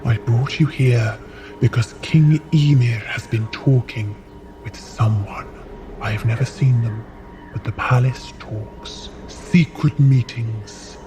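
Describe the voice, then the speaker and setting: A man acts out a solemn frost giant in a fantasy audio drama. The voice is unhurried and mellow, with the grave, weary idealism of a shaman's son telling an old story. Faint music sits behind it. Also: mid-range voice, fairly even intonation, lightly acted. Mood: conspiratorial. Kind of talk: scripted audio drama acting.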